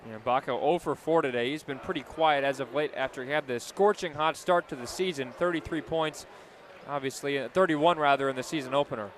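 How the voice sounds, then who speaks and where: A man's voice: a little high, brisk, slight background noise. An American man giving live basketball analysis as a color commentator.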